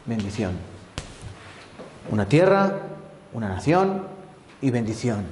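A man's voice: mid-range voice, slow, a little hiss or hum. A man preaching a sermon as an evangelist, asking his listeners questions at every turn. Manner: lively, asks the congregation many rhetorical questions. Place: church hall. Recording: echoey reverberant church hall.

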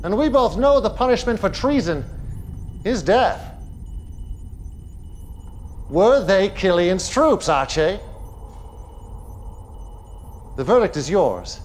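An actor playing a commanding, manipulative cult leader in a game cutscene, theatrical, measured and imperious. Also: male voice, sits high, sing-song, a little hiss or hum, full character voice. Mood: stern, threatening.

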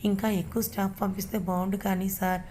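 Woman reader doing a teasing young man, mellow and low-key, storybook reading. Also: level tone, fast, a little hiss or hum, close to an everyday voice. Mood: coaxing. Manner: teasing, affectionate.

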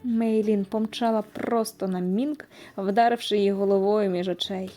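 A woman narrating an audio fairy tale in an expressive, lively reading. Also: mid-range voice, moderate pace. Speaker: storyteller. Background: soft music.

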